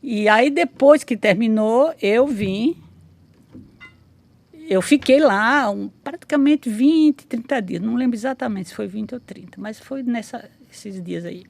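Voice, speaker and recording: A woman's voice: on the high side, measured pace, vocal fry, a little mellow, dry recording. A woman in her sixties telling her life story in a casual interview, rambling with many restarts and tag questions. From Brazil. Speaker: interview guest, memoirist.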